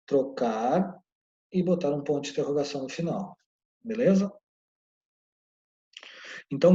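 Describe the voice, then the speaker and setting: A man's voice: fairly high pitch, warm tone, muffled recording. A man teaching an English lesson online, explaining grammar patiently and checking in often with his viewers.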